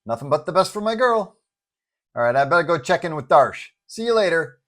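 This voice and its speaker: A man's voice: on the high side, very animated, brisk, fairly bright tone, voice pushed up. A man voicing a breezy, earnest male superhero in an audio story, talking in a casual, upbeat way.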